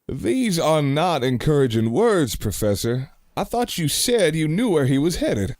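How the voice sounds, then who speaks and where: An actor playing a blunt, folksy frontier adventurer in a radio play. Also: male voice, a little high, very animated, measured pace, a little mellow. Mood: skeptical.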